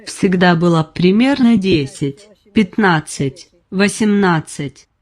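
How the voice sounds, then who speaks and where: A very old woman in her nineties tells her story in short, simple sentences. She speaks slowly and without hurry, pausing between each plain statement. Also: lowish voice, animated, darkish tone. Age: 90s. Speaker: patient interviewee. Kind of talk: slow personal testimony.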